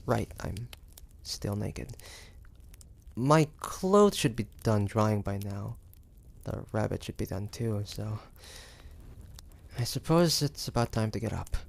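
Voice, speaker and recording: A man playing a wary, stubborn young demon hunter in an intimate audio roleplay, speaking in a hesitant, grudging, halting way. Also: lowish voice, animated, creaky, heavily acted. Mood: sheepish. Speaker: voice actor. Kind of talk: intimate audio roleplay acting, addressing the listener.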